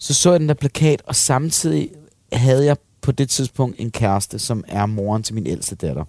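In a very clean recording with a silent background and a dry, close sound with no echo, a man of medium pitch speaks at a moderate pace with a dark, mellow tone and lively intonation. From Copenhagen, Denmark. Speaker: film director. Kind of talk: interview.

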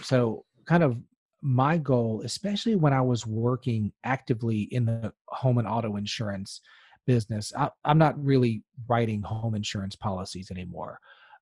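With an American accent, a man of medium pitch speaks somewhat breathily with ordinary pitch variation in a dry, close sound with no echo. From New York. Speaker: financial planner. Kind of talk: interview. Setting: remote call. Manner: halting, many fillers and repetitions.

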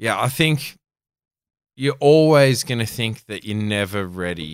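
In a very clean recording with a silent background, a man with an Australian accent speaks very slowly with lively intonation. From Australia, Sutherland Shire south of Sydney. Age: 30s. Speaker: metal fabricator. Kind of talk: casual interview chat.

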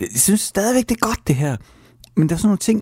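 A man with a dark, mellow tone is heard in a dry, close sound with no echo. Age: 40s. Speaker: radio host. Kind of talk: radio show hosting, reading listener messages. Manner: casual, with hesitations.

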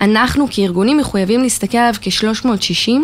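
A woman at a moderate pace, an ordinary speaking voice. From Israel, Jerusalem. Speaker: marketing technology consultant. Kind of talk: podcast interview.

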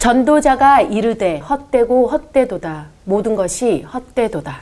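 A woman speaks very slowly with lively intonation and a fairly high pitch. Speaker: panelist. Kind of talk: casual discussion.

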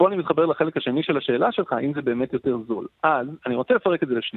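A man talks at a very fast pace, his intonation lively. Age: 40s. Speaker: journalist. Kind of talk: radio interview.

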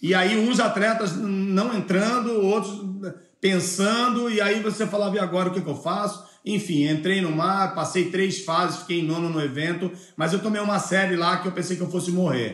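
A man's high pitch and moderate pace come through noticeable background noise. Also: ordinary pitch variation. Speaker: former pro surfer, father of guest. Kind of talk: interview. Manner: halting, hesitant.

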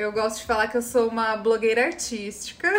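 Her fairly high pitch and moderate pace mark this woman's speech, delivered in a plain, everyday voice. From Minas Gerais, Brazil (small town near Varginha). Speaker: content creator and YouTuber. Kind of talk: casual chat.

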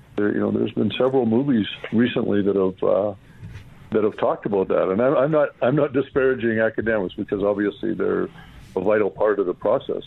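A man speaks at a very fast pace with very even loudness. Noticeable background noise runs underneath. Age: 60s. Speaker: novelist. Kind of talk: interview. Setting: phone call.

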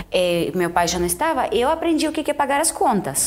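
A woman's voice moves through very wide pitch swings. Noticeable background noise runs underneath. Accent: Russian. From Odessa, Ukraine (Russian-speaking). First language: Russian (speaking Portuguese). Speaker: entrepreneur and former TV personality. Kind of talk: interview.

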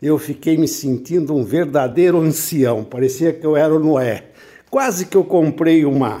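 With a dark, mellow tone and a fairly high pitch, a man talks at a moderate pace with ordinary pitch variation. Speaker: listener sending audio message. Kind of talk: recorded audio message to the show.

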